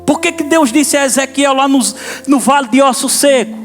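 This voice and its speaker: A man preaching a lively live sermon in a church and calling out to the congregation. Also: very high-pitched, normal speed. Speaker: pastor. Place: church service. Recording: sermon with instrument music behind.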